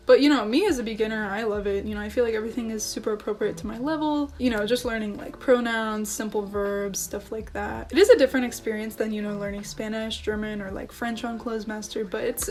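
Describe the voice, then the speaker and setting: Chatty, excitable young woman vlogging. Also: on the high side. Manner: animated, chatty, heavy filler words, excitable. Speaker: language-learning vlogger. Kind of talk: casual chat to camera. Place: living room at home.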